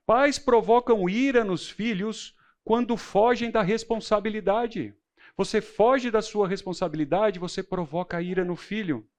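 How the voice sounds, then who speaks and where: A middle-aged man teaching a church Bible class, preacherly and emphatic, mixing personal stories with rhetorical questions. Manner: preacherly, emphatic, shifting between low intensity and loud stress.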